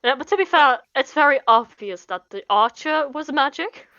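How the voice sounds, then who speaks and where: Higher-pitched woman gamer, slightly dull recording. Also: animated, normal speed, bright, forceful tone, no echo. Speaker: player in a tabletop roleplaying game. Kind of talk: casual chat.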